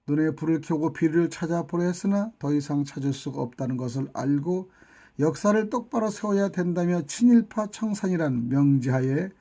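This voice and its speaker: A man's voice: fairly high pitch, dark tone. A man giving an impassioned monologue, scolding and lamenting with rhetorical questions and insults. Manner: scolding, indignant, hurls insults. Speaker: YouTube channel commentator.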